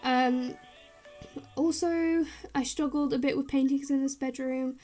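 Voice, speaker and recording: A woman's voice: high voice, fairly even intonation, measured pace, darkish tone, faint music behind. A young woman with a blocked, nasal nose, chatting loosely through a game-building voiceover with many fillers. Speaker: game building channel host. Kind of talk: casual voiceover over a speed build.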